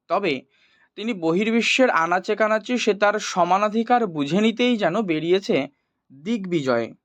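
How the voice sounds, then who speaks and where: High-voiced teacher, a man. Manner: didactic, checks understanding with short questions. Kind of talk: explanatory poetry lesson for school students. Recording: roomy echo, dull lo-fi sound.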